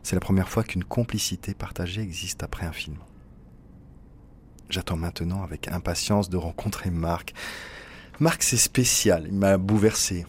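A man reading a literary first-person text as narrator, in an intimate, measured way. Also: deep voice, a little hiss or hum.

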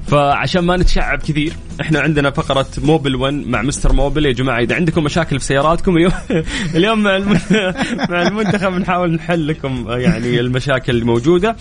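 A man hosting a radio call-in show, fast and upbeat, laughing often. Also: on the high side, expressive, soft background music. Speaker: radio host.

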